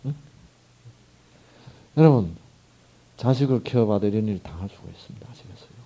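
Male pastor preaching, call-and-response style, swings between loud and whispered. Dark, deep-toned voice. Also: animated, fairly quick. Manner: call-and-response questions to the congregation. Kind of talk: sermon. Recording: muffled lo-fi recording.

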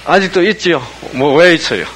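Guy preaching a sermon, bit high voice, keeps asking the crowd questions, light hiss. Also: brisk, rough recording. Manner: animated, asks listeners rhetorical questions constantly. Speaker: pastor. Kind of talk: sermon with call-and-response questions.

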